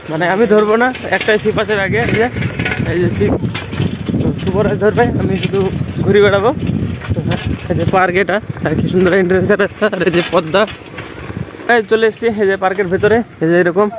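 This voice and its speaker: A man's voice: high voice, background noise. A man chatting casually to the camera while walking outdoors by a river. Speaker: vlogger. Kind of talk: casual outdoor vlog narration.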